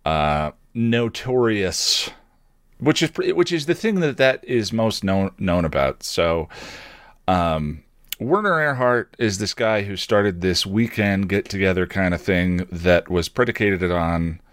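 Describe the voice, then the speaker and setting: A man's voice: sits low, animated, measured pace, no room sound, clean studio sound. A man hosting a casual solo podcast, talking in a digressive, self-deprecating way and often correcting himself mid-thought. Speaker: podcast host.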